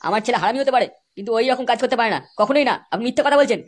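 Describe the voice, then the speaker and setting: Flustered, fast-talking cartoon father, played by a man. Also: very high voice. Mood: indignant. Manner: flustered, protesting. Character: indignant father defending his rascal son in comedy cartoon.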